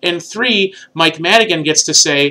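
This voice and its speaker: This man's voice sits fairly high and has a bright, sharp tone. Vocal fry runs through his speech. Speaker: political commentator vlogger. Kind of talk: casual political commentary. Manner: animated.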